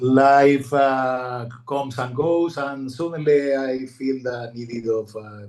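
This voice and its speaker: A man talks at a very slow pace with a Spanish accent and monotone, flat intonation. There is audible room echo. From Honduras. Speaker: participant in a healing session group. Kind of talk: casual chat. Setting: video call. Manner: halting.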